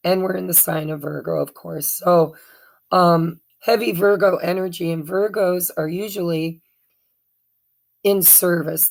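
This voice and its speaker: A woman with a rough, hoarse voice talks her way through a tarot reading. She speaks slowly in a lowish, gravelly tone. Her delivery is chatty and meandering, full of fillers and self-corrections. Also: darkish tone. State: hoarse from allergies. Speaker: tarot reader. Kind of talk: casual tarot card reading.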